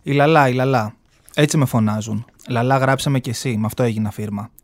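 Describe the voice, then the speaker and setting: A man's voice: medium pitch, fairly even intonation, lightly acted. A man reading as a brash aging gay man. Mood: sassy. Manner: sassy, mocking, storytelling. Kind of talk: reading aloud from a novel. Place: radio studio.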